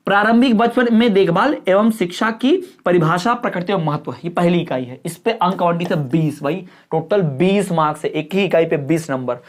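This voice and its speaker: A woman teacher giving an exam-prep lecture, often asking if things are clear and adding up marks aloud. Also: fairly low pitch.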